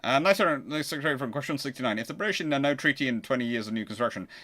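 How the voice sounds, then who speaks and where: The livestream host is a man with a medium-pitched, slightly bright voice. He chats casually, responds to viewer questions, and tends to repeat words as he restarts what he's saying.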